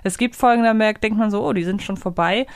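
A woman's voice: medium pitch, fast talker, clear, resonant tone, dry recording, studio quality. A woman in her thirties hosting a podcast in a casual, chatty style. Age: 30s. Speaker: podcast host. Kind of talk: casual chat.

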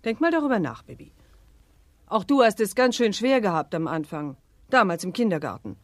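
A woman's voice: medium pitch, big pitch swings, a little fast, no room sound, natural voice. A woman playing a patient but firm mother, pointed and persuasive, in a German children's audio drama. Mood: patient, reproving.

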